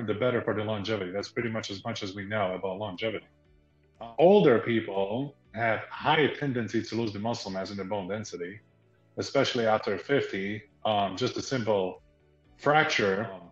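A man from Slovakia, explaining fitness ideas as a guest in a measured way that slows to stress key points. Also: fairly low pitch, roomy sound, lo-fi sound. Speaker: guest, fitness product founder. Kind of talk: explanatory interview answers.

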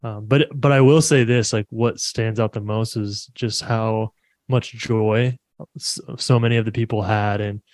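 A man's voice: fairly low pitch, steady tone, unhurried, darkish tone, dry recording. Chatty male podcast host, dry sound. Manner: chatty, easygoing, laughs often. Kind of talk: casual interview chat.

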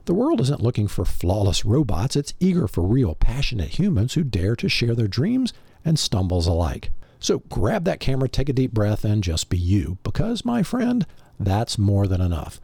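Husky, animated male podcast host. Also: lowish voice, normal speed, no echo. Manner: rhetorical, addressing the listener directly. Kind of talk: scripted motivational monologue.

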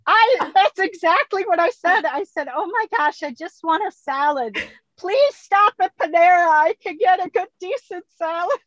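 Woman, sixties, high voice, chatty, laughs a lot, talking from her car, dry dull lo-fi sound. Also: expressive, moderate pace, fairly bright tone, no echo. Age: 60s. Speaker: guest. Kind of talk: casual video-call chat.

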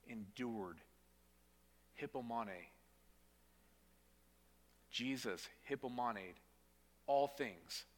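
A male pastor preaching a sermon in a church. He speaks emphatically, repeats words as he goes, and drops to quiet, weighty lines. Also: lowish voice, long reverb tail. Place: church sanctuary.

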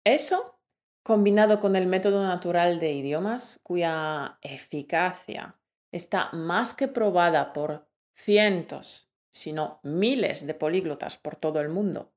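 Woman podcast co-host, measured and clear, explaining study tips. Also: fairly low pitch, darkish tone. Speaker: co-host of a Spanish-learning podcast. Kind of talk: scripted podcast teaching.

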